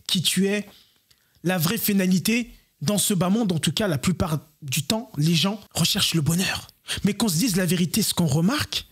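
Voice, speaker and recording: A man's voice: high voice, breathy edge. A young man from France, speaking earnestly and reflectively to his viewers in a personal vlog. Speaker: YouTuber and entrepreneur. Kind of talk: personal vlog talking to camera.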